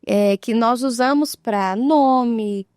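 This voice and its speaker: A woman's voice: a little high, slow pace, darkish tone, clear, resonant tone, dry recording, studio quality. A woman with a Brazilian Portuguese accent, a guest on a talk show, patiently explaining and often checking in with tag questions. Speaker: guest, sign language expert.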